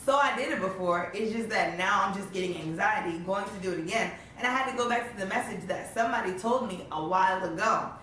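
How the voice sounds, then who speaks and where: A young woman with a hoarse, raspy voice, chatting casually in a motivational vlog, rambling and saying "like" often. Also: medium pitch, fast, few pauses, pushed and bright. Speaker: motivational vlogger. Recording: very echoey room, voice far from the mic, faint noise.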